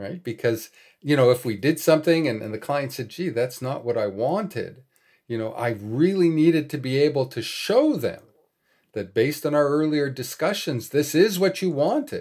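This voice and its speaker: The recording is very clean with a silent background, and a man speaks at a moderate pace in a fairly high voice with lively intonation. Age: 60s. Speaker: programming educator and author. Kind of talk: casual interview conversation. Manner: relaxed, hesitant with filler words.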